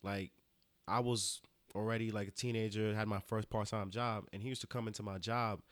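A man's voice: on the low side, steady tone, a little fast, fairly bright tone, dry recording. A young man in casual podcast chat, telling loose stories full of slang and fillers.

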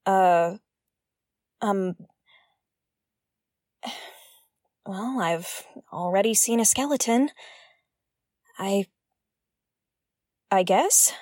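A wry woman space investigator, unhurried. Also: mid-range voice, darkish tone, no echo. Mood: uneasy. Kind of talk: naturalistic audio drama acting.

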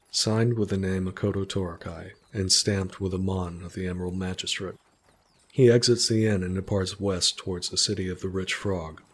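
A man narrating a story in a calm, descriptive way. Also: sits low, a little hiss or hum.

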